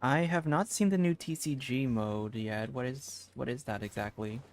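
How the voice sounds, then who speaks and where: Casual male game streamer, low-key. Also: moderate pace, darkish tone, a little hiss or hum. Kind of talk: casual livestream chat while playing. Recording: faint game ambience behind.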